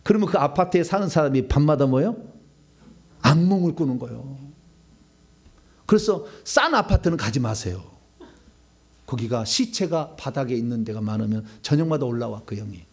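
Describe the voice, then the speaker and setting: A male pastor preaching a sermon, swinging between loud outbursts and hushed asides. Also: mid-range voice, lively intonation, moderate pace, pauses often, breathy edge.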